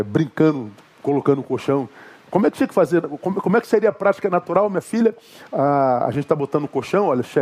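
A man's voice: sits high, darkish tone. A man with a Brazilian Portuguese accent preaching a sermon as pastor, emphatic, with asides to the congregation.

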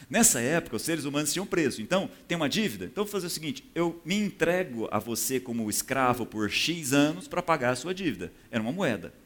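A man's voice: fairly high pitch, very animated, fairly quick, fairly bright tone. A man preaching a sermon. He teaches from scripture in a conversational way and often checks in with his listeners.

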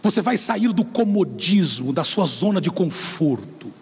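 Pastor preaching, lively up and down voice, husky, big echoey hall. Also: male voice, high-pitched, measured pace. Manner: animated storytelling, acts out dialogue. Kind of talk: sermon. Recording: long hall reverb.

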